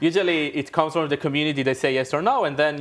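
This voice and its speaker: With an Israeli accent, a man talks at a fairly quick pace. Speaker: cultural emissary. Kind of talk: TV interview. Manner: halting.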